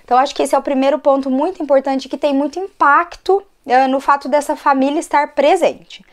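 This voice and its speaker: A hoarse woman, fighting a cold, giving a conversational educational talk to her channel as an occupational therapist. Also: sits high, fairly even intonation, fairly quick. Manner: conversational, frequent tag questions.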